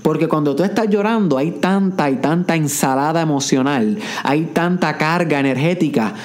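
A man's voice: a little high, normal speed. A man delivering a motivational self-help monologue, addressing the listener directly in a repetitive coaching tone and dropping English phrases into his speech. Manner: mixes English phrases into Spanish.

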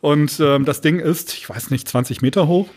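A man's voice: on the high side, normal speed, darkish tone. Chatty man in a casual podcast. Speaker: podcast co-host.

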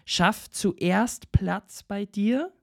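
Ein Mann spricht einen ruhigen, weisen Mönch. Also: male voice, high-pitched, creaky, full character voice. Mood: calm. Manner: slow, calm, instructive. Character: calm wise male monk, unhurried.

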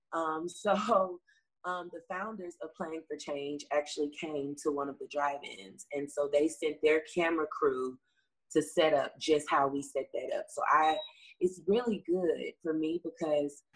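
A woman's voice: low voice, breathy edge, rough recording. A woman from the American South, a singer, chatting upbeat in an interview with many fillers. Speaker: singer, guest. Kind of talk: casual interview answers.

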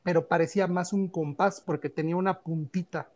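A man's voice: sits high, steady tone, brisk, a little mellow, dull audio. A man with a Mexican accent chatting casually and telling personal anecdotes in informal, slangy speech.

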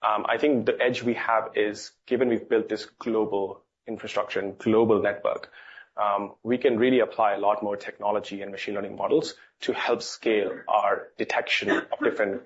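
Low male voice, informal executive talk. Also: level tone, normal speed, slight background noise. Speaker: company executive answering analyst questions. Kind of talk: earnings call Q&A, informal business talk. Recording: dull, band-limited call audio.

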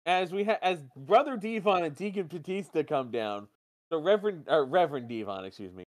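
A man co-hosts a loose wrestling recap, his slightly high voice swinging widely in pitch. He laughs often and swears freely in casual banter. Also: animated, fairly quick. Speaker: podcast co-host.

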